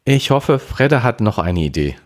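A man's voice: mid-range voice, very animated, moderate pace, pitched above the performer's own voice. A man voicing a worried, irritable teenage girl who talks anxiously and snaps easily, in an audiobook reading. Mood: fretful.

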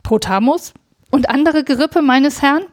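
A woman voicing a calm, formally deferential young male servant in a read-aloud story. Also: high-pitched, measured pace, voice pushed up.

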